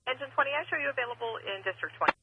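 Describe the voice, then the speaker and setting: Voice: high voice, expressive, racing. An emergency dispatcher giving clipped, procedural assignments over two-way radio. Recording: very noisy, muffled radio channel.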